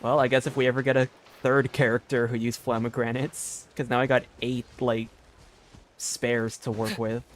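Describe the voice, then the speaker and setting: A man's voice: mid-range voice, little pitch movement, moderate pace, a little hiss or hum. A man giving casual live gaming commentary as a streamer, informal and thinking aloud in a meandering way. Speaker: game streamer.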